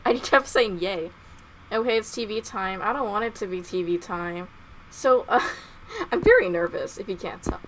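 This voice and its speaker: Brief: young woman streamer, nervous and giggly, headset mic, some background noise, middle pitch. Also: sing-song, moderate pace, low-quality recording. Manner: nervous, giggly, full of questions. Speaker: gaming streamer. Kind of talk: horror game let's play commentary.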